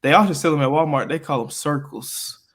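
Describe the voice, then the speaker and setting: A man in his twenties with a Mississippi accent, co-hosting a podcast, playful and excitable in casual chat with his sister. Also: fairly high pitch, fairly quick. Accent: Southern US, Mississippi. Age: 20s. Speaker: podcast co-host.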